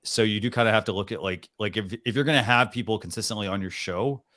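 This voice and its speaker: A man's voice: fairly low pitch, fast, pushed and bright, dry recording, studio quality. A man co-hosting a live stream, chatting casually in a rambling way with lots of restarts. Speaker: co-host of a live stream show.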